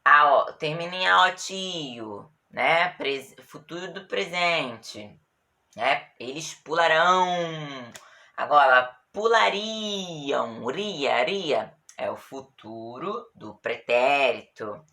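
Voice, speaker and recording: A woman's voice: low voice, expressive, slow pace, bright, forceful tone. A woman teacher with a Brazilian Portuguese accent gives a grammar lesson patiently, stretching out example words and often checking with her students.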